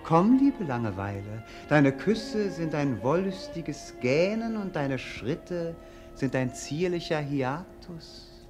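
An actor playing a bored, melancholy young prince in a classic radio play, speaking in a dreamy, languorous, theatrical way. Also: male voice, fairly high pitch, sing-song, takes it slowly, over music. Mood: dreamy, teasing.

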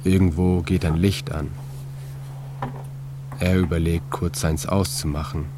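A man reading his own literary prose in a calm, measured, reflective way. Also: sits low, background noise. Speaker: author and narrator. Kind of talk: scripted literary narration.

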